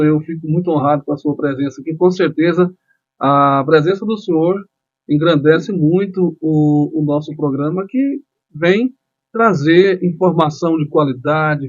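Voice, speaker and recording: A man's voice: fairly high pitch, darkish tone, highs cut off. A man hosting a podcast, upbeat, polite and welcoming toward his guest. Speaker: podcast host.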